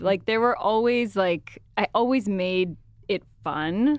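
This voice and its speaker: Against a quiet background, a woman talks at a fairly slow pace, the sound dry with no echo. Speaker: guest. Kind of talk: interview answer. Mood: warm, laughing, upbeat. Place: studio. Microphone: studio mic.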